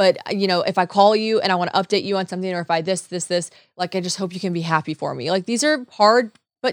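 A woman with an American accent, recorded dry and close with no echo, on a very clean track with a silent background. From US Deep South. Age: 20s. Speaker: social media personality. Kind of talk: casual interview chat.

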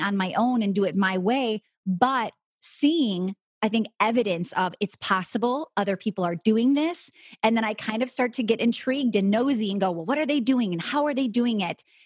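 A somewhat breathy woman with an American accent talks fairly quickly at a fairly high pitch. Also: dry, close sound with no echo. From Wisconsin. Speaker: business owner and coach. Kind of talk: interview.

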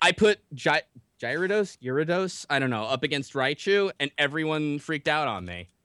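A man with an American accent, a bright, sharp tone, lively intonation and a moderate pace, in a dry, close sound with no echo on a very clean recording over a silent background. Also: fairly high pitch for a man. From New Jersey, US. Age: 30s. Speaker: gaming video creator. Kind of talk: casual chat.

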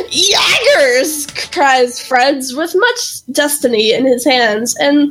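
Over noticeable background noise, a woman with a high pitch speaks at a very slow pace with lively intonation.

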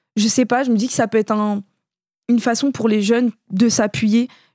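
A woman with a plain, everyday voice talks at a fairly quick pace and fairly high pitch against a quiet background. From Paris suburbs (Nanterre, Hauts-de-Seine) and Lorraine. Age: 20s. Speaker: student and founder of a youth association. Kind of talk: interview.

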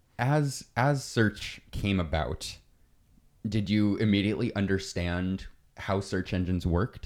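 Over a very clean recording with a silent background, a man uses a normal speaking voice at a fairly low pitch, with very even loudness and ordinary pitch variation. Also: fairly slow pace. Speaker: podcast host. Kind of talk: podcast interview, intro and outro. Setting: studio with boom mic. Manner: relaxed, conversational.

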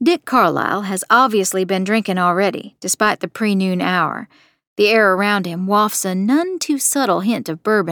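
Set against a quiet background, an unforced reading voice carries ordinary pitch variation.

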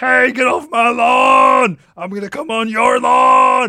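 Raised and projected, a man's put-on character voice moves at a fairly slow pace. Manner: grumpy, irritable, angry.

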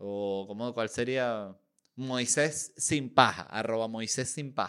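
On a very clean recording with a silent background, a man speaks very slowly at medium pitch with ordinary pitch variation. His tone is bright and sharp. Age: 30s. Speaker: podcast host; comedian. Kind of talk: casual monologue.

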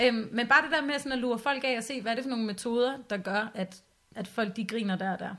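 Using a normal speaking voice, a woman talks at a fairly quick pace with fairly high pitch and ordinary pitch variation. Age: 20s. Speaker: comedian. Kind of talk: casual chat. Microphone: far from the mic.

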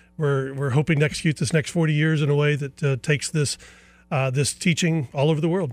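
A man with a fairly high pitch talks at a very fast pace, his somewhat breathy voice holding fairly even intonation and very even loudness. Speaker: ministry staff guest. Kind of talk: casual radio interview. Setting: studio.

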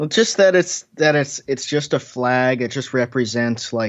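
A man's medium-pitched voice at a fairly slow pace. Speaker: magazine writer. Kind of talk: casual interview. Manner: hesitant, filler-heavy.

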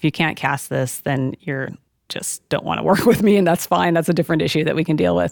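Someone with an American accent speaks at a fairly quick pace, the sound dry and close with no echo. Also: woman, very clean recording, silent background. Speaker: playwright. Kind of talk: panel interview.

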